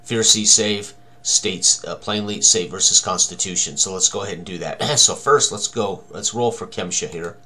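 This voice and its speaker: An older man in his sixties with a fairly low voice gives a tutorial on tabletop game combat. He speaks haltingly, thinking aloud as he works through each step at his desk. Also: sharp tone.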